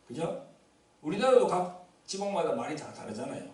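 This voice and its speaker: 울림 큰 교회에서 설교하는 경상도 남자 목사. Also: male voice, a little high, very animated, normal speed, darkish tone. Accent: Gyeongsang Korean. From Gyeongsang region, Korea. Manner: conversational preaching with congregation responses and asides. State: seated due to an injured ankle. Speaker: pastor. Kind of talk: sermon. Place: church sanctuary. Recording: very echoey church hall, somewhat distant mic.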